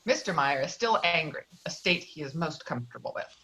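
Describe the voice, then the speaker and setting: A woman's voice: deep voice, expressive, brisk, bright, forceful tone, rough recording. A woman reading screenplay stage directions as the narrator of a table read.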